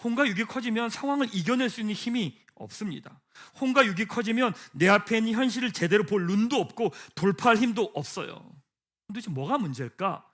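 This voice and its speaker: A man preaches in a church sanctuary with a high, very animated voice. He drops to a hush, then builds to emphatic peaks, firing rhetorical questions at the congregation. He leads them in reading scripture aloud together. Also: fairly quick. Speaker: pastor. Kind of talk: sermon.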